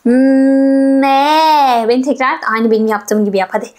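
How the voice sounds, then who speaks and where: Birinci sınıf öğrencilerine hecelere bölerek okuma öğreten bir kadın öğretmen; sesleri tek tek tekrar ediyor ve çocuğu nazikçe yüreklendiriyor. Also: female voice, fairly high pitch, very fast. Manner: patient, sounds out syllables and repeats them many times; gentle, coaxing, talks straight to the child. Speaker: primary school teacher. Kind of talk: slow phonics reading lesson for first graders.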